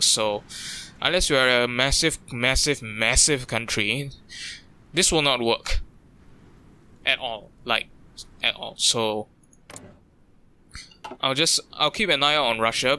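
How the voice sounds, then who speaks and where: A man's voice: medium pitch, pushed and bright, clear, resonant tone. A young man from Singapore, thinking aloud in loose, chatty let's-play commentary. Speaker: gaming YouTuber.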